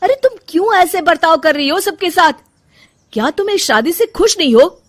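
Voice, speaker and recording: Woman voicing a gentle pleading young husband. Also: very high-pitched, lively intonation, normal speed. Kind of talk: cartoon storybook voice acting.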